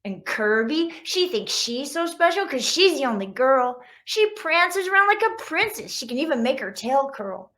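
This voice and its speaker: A woman's voice: high voice, big pitch swings, normal speed, hardly any pauses, sharp tone, heavily acted. Woman voicing Jake, a whiny jealous big-brother dog. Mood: aggrieved, grumbling. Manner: whiny, grumbling. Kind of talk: children's storybook read-aloud.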